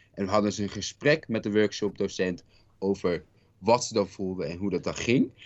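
With an unremarkable speaking voice, a man talks at a fairly quick pace, his fairly low pitch showing ordinary variation. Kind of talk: spoken word performance, rhythmic poetic delivery. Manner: rhythmic, flowing cadence, expressive with street-language rhymes.

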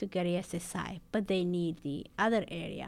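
A woman with a non-native accent at a fairly slow pace, on a very clean recording with a silent background. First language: not English. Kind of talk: panel presentation. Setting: stage with audience.

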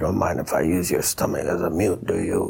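A man puts on a growling, raspy character voice at a very deep, low pitch. He delivers it at a fairly quick pace.

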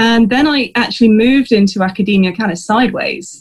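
A woman with a British accent speaks at a fairly quick pace, her voice somewhat breathy. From Britain. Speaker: history lecturer. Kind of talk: casual chat. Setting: video call.

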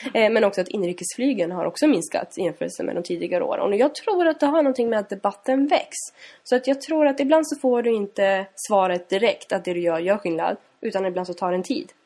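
At a very fast pace, a woman with a fairly high pitch and a dark, mellow tone speaks with very wide pitch swings. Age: 20s. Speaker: environmental educator. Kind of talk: casual interview. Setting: office.

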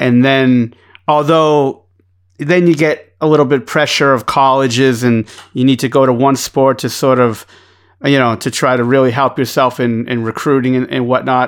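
A medium-pitched man at a moderate pace, with fairly even intonation and very even loudness, in a very clean recording with a silent background. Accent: Boston. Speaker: podcast co-host. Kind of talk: casual, profane.

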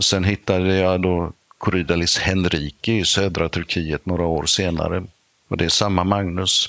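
A man speaks in a very deep, low voice at a moderate pace with monotone, flat intonation. His loudness is very even, and the sound is dry and close with no echo. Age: 60s. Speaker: botanical garden horticulturist. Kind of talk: interview. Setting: recorded at a botanical garden.

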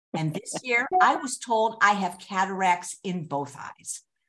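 This woman has an ordinary speaking voice, pitched in the medium range. Her intonation is lively and her pace moderate. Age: 60s. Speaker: vegan YouTuber and comedian. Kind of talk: stand-up. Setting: video call.

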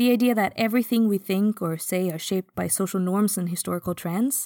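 A dark, mellow voice with a Swedish accent moves at a fairly quick pace. The recording is very clean, with a silent background. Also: woman. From Sweden, Stockholm. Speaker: student podcaster. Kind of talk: scripted narration.

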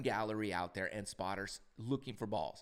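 A man with an American accent and a fairly low pitch speaks in an animated tone. His pace is moderate, and the recording is very clean with a silent background. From San Diego, California. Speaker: golf podcast host. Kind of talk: casual solo podcast commentary.

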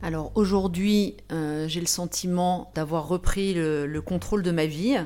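A woman speaks very slowly at a fairly low pitch. Her tone is dark and mellow, with ordinary pitch variation. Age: 50s. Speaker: coaching client. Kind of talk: testimony. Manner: halting.

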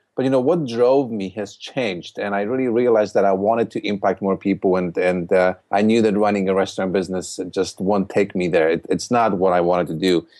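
The delivery runs at a fairly quick pace with hardly any pauses. The tone is dark and mellow, with ordinary pitch variation. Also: man, fairly low pitch for a man. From Poland. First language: Polish. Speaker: marketing strategist and business coach. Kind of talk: interview. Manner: fast talker.

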